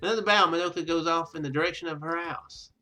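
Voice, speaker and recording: Bright-voiced man reading a game aloud. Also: fairly high pitch, fast talker, soft background music. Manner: stumbles over read lines and corrects himself. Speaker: gaming video host. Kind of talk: reading a visual novel aloud with casual joking commentary.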